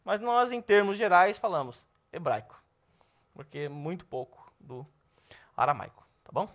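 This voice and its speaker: Lively Brazilian man teaching a Bible class. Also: high voice, normal speed. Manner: lively, asks the class questions, says "tá bom?" often. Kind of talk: church Bible lesson.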